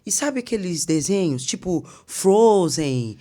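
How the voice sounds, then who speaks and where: A young woman telling a personal testimony on a podcast, animated, acting out the people she quotes. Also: lowish voice, slow pace. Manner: animated, acts out quoted dialogue. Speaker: guest singer. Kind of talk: podcast testimony, casual storytelling.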